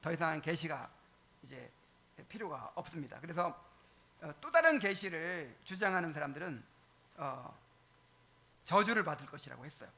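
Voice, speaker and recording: A male pastor teaching a catechism sermon, asking the congregation questions, repeating key points for emphasis, with frequent pauses and fillers. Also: fairly high pitch, big pitch swings, sharp tone.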